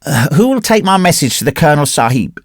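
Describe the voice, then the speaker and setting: A man's voice: on the high side, big pitch swings, moderate pace, gravelly, no echo, studio quality, voice pushed up. A man voicing a brave, imperious six-year-old boy in a storybook reading, earnest and solemn. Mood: defiant. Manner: commanding, childishly solemn.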